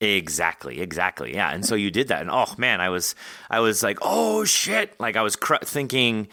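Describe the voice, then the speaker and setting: A man chats casually as a podcast host. His voice sits on the low side with a forceful, bright edge, recorded very dry. He is animated and conversational. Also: moderate pace, dry recording. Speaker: podcast host interviewing an author.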